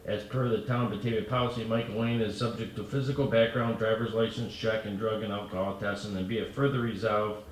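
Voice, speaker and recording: A man's voice: on the low side, steady tone. Man stumbling through a resolution reading. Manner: stumbling, slow over numbers. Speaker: town board member. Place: town hall meeting room. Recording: echoey room, far from mic, faint noise.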